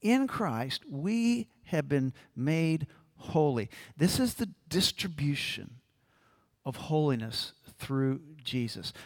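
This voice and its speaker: Over a very clean recording with a silent background, a man with an American accent speaks at a very slow pace, with very wide pitch swings and long, frequent pauses. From New Orleans, US South. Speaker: pastor. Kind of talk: sermon. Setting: church. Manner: halting.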